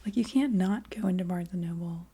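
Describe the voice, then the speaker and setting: Soft-spoken ASMR woman slipping into whispers. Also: on the low side, brisk, breathy edge. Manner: soft speaking that often drops into a whisper. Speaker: ASMR video creator. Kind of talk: soft-spoken ASMR, casual rambling chat.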